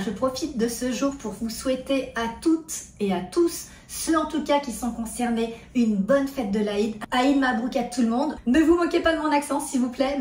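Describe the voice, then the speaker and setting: A woman's voice: on the high side, a little mellow. A woman vlogging casually to camera, chatty and enthusiastic, gushing over what she shows. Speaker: lifestyle vlogger. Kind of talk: casual vlog chat to camera. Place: outdoors at a countryside ranch. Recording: roomy echo, faint ambient noise.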